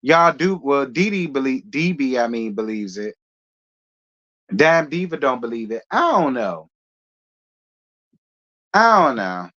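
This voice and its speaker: A man chats through celebrity gossip with sass and laughing asides, at a middle pitch. His voice is slightly dull and lo-fi. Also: very animated, measured pace, long pauses, bright, forceful tone. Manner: sassy, chatty, laughing asides. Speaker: host. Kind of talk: casual gossip commentary.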